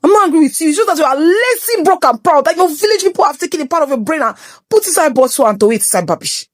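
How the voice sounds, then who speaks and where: A woman's voice: high-pitched, very animated, fast, dry recording, studio quality. A young woman with a Nigerian accent hosting a motivational talk, moving between English and Pidgin, teasing and scolding her listeners. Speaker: host. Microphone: phone.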